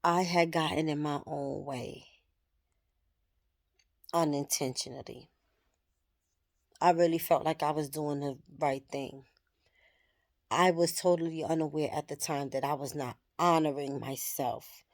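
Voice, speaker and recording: A woman's voice: sits low, fairly even intonation, unhurried, pauses often. A woman in her thirties talking candidly and reflectively to the camera, swearing freely as she thinks aloud. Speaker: vlogger. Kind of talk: personal reflective monologue.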